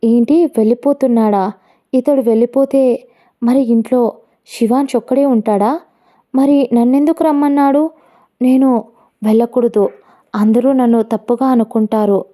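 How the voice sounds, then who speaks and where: A woman's voice: on the high side, fairly even intonation, moderate pace, long pauses, mellow, close to an everyday voice. A woman voicing a fearful but defiant young wife in a storybook reading, speaking with emotion. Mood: anxious. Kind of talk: storytelling narration.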